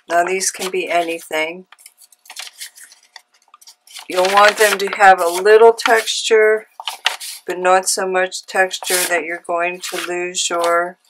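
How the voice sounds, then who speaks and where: A woman with a cold hosting a casual craft tutorial, chatty and unhurried, with frequent ums. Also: lowish voice, a bit bright, slight background noise, low-quality recording. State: has a cold. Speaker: craft channel host. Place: home craft room.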